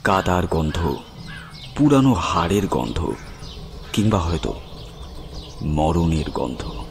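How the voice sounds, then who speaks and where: A man narrating a scripted horror story dramatically, with suspenseful, weighted pauses. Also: low-pitched, animated, vocal fry, noisy background. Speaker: narrator and presenter. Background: music with birds and crickets.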